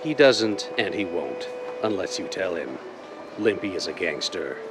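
Man playing a deep-voiced, menacing blind crime boss. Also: very animated. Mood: cold, commanding. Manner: deliberate, commanding, theatrical. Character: blind, cold, menacing male crime mastermind called the Owl. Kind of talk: 1930s radio drama acting. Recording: noisy vintage-style radio drama recording.

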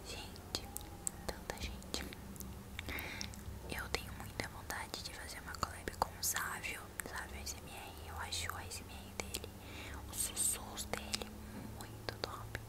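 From a small bedroom, a young Brazilian woman from São Paulo state whispers a little slowly in ASMR style, close to a large microphone at her mouth. As the video's host, she casually responds to questions from viewers, her São Paulo accent audible.

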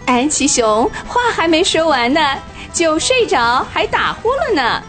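A woman narrating a children's radio drama with expressive, vivid storytelling. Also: high-pitched, a little slow, faint music behind, full character voice.

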